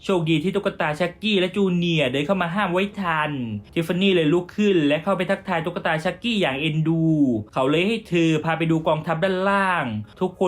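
A man giving a scripted narration that recaps a horror series episode by episode. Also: fairly high pitch.

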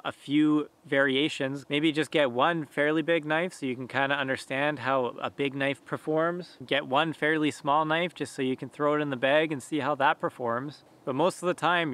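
A man in his thirties, a bushcraft channel host, talking casually to camera outdoors in a forest, relaxed and conversational with plenty of fillers. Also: mid-range voice. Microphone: camera at close range.

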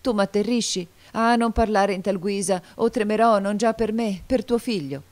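A woman's voice: deep voice, moderate pace, a little mellow, natural voice. A woman voicing a young woman, an anxious and devoted lover, in an audiobook reading, pleading and often rising toward anguished cries. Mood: frightened.

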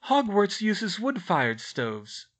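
A man voicing a clever young witch girl in a storybook, brisk, practical and reassuring. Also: high-pitched, animated, a bit bright, voice pushed up. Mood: explaining.

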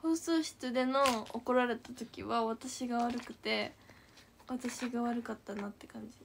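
A young woman in her twenties with a Kansai accent, telling a story to viewers in an animated, giggly way. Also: fairly high pitch, unhurried, creaky, slight background noise. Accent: Kansai Japanese. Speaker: idol livestreamer.

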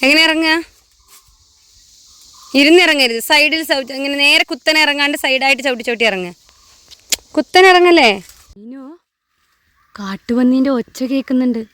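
A woman's voice: sits high, a little fast, sharp tone, no room sound. A woman chatting to viewers while climbing a hillside plantation with her small daughter, a little out of breath. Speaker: vlogger and mother. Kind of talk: casual vlog narration while walking.

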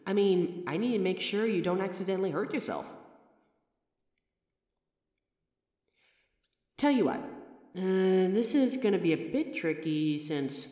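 A woman's voice: medium pitch, animated, moderate pace, warm tone, lightly acted. A woman voicing the listener's own mirror reflection, a chatty, friendly female figure who talks with reassuring, self-aware rambling in a comfort roleplay. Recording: roomy echoey recording with long reverb.

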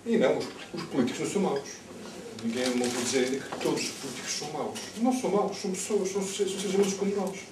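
A man's voice: fairly high pitch, fast. A middle-aged man from Lisbon with a Lisbon Portuguese accent, speaking off the cuff at a public political debate, emphatically repeating words as he builds his points. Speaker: candidate speaking on a panel. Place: bookshop-like indoor room with seated audience. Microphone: far camera. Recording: distant camera mic, echoey, noisy room.

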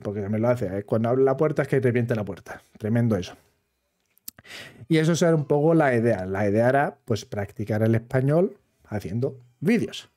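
Mellow-voiced Swiss man vlogging. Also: medium pitch, animated. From Switzerland. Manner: careful, halting Spanish of a non-native speaker. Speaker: gaming video creator. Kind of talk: casual talk to camera.

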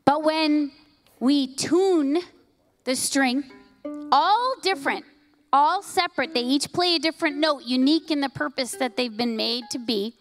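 A woman in her forties preaching a sermon on a church stage into a handheld mic, emphatic, often dropping to hushed lines. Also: high-pitched, a little slow, faint music behind. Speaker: pastor. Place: church stage, large hall.

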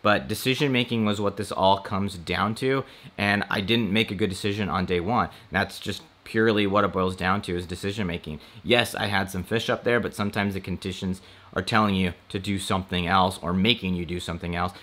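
A man's voice: deep voice, steady tone, fairly quick, fairly bright tone. A young man, a fishing vlogger, giving a casual, matter-of-fact recap of a tournament and where he went wrong. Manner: plain, matter-of-fact, candid self-critique.

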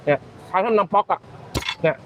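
A man's voice: high-pitched, brisk, dull audio, noisy background. A man hosting a casual home cocktail-making demo, chatty and joking, often repeating his words. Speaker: host.

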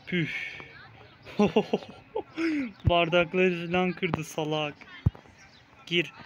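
A man's voice: high voice, dull audio, noisy background. A young man hosting a casual let's-play, talking the viewers through the game and playfully teasing the game baby with mock insults. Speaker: gaming video host. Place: outdoors in a park.

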